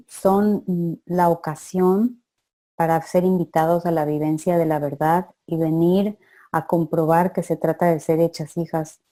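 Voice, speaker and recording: Low, flat-voiced woman leading a session. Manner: calm, measured, affirming. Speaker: women's session leader. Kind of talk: guided spiritual teaching.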